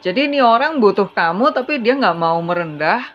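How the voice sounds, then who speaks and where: With lively intonation and a brisk, medium-pitched voice, a tarot reader gives the viewer an earnest, advice-filled reading in a relaxed, chatty style. Faint hiss and a slightly dull quality mark the audio.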